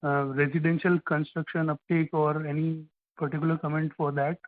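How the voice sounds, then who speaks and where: A man's voice: on the high side, level tone, a little fast. A man with an Indian accent asking financial questions as an analyst on a call. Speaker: analyst caller. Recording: narrow telephone line.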